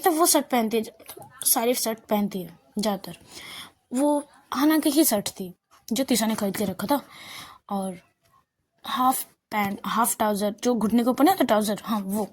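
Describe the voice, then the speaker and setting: A woman narrating a love story in a casual, unscripted way, often restarting and correcting herself. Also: fairly high pitch.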